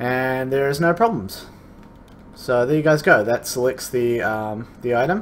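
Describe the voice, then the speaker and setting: Speaking in an ordinary speaking voice, a man keeps a medium pitch with ordinary pitch variation. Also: fairly slow pace. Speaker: programming tutorial youtuber. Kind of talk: tutorial. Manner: casual, filler-heavy.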